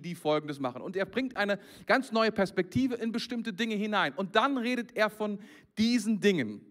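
Guy pastor with a pretty high voice, preaching to the congregation, lots of restarts and direct asides. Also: a bit bright. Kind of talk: sermon. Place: church service with a congregation present.

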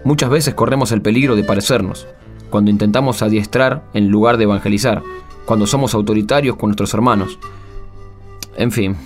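A man's voice: lowish voice, fairly even intonation, brisk, close to an everyday voice. Male actor for wounded, candid Argentine ex-soldier of faith, middle-aged, emphatic everyday speech, radio play with faint music bed. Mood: bitter, reflective. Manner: emphatic, colloquial. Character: candid, wounded Malvinas war veteran turned devout Catholic. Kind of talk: radio drama interview acting.

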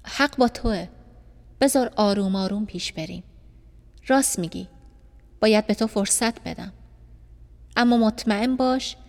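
A woman's voice: mid-range voice, a little mellow, long reverb tail, natural voice. A woman voicing an earnest, persistent male doctor who is in love, speaking insistently and directly in a storybook reading.

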